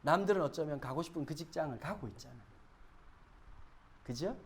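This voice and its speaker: A male pastor preaching a sermon, talking to the congregation in a conversational way, asking them questions and swinging from quiet asides to loud shouted scenes. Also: a little high, animated, fairly quick, breathy edge.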